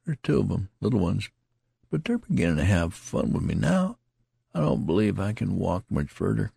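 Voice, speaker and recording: A man's voice: lowish voice, big pitch swings, moderate pace, gravelly, dark tone, slightly rough, no room sound, studio quality, pitched above the performer's own voice, full character voice. A man voicing a dazed, wounded male soldier who rambles in a slurred, folksy country dialect. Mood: worried. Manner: pleading, repetitive, plaintive.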